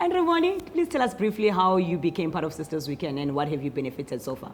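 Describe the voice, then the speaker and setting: A woman's very fast, lively-intoned speech over noticeable background noise. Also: fairly low pitch for a woman. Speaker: talk show host. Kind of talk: studio talk show discussion. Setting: studio.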